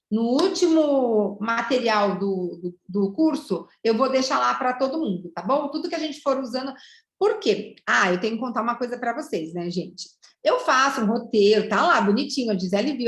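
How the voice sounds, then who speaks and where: A Brazilian woman leads a teacher training session over a video call. She talks in a chatty, lively way and keeps checking in with her listeners. Her voice sits a little high, and the room gives it a noticeable echo. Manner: warm, lively and chatty, with many "né?" asides. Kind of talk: online teacher training lesson.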